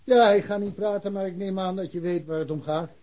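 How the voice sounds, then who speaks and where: A man's voice: high-pitched, fairly even intonation, a little fast, dark tone, natural voice. An actor playing a jovial, familiar local policeman in a radio drama, talkative and folksy. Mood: familiar, apologetic. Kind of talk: naturalistic Dutch radio drama acting. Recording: muffled, dull radio drama recording.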